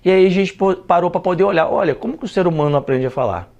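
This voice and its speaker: A man's voice: sits high, fast, a little mellow, muffled recording. A man, a language school founder, explains his teaching method in a studio interview, repeating words for emphasis. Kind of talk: studio talk show interview.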